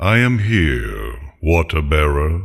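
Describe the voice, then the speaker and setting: In a put-on character voice, a man booms at a very deep, low pitch. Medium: audio drama. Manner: even, controlled.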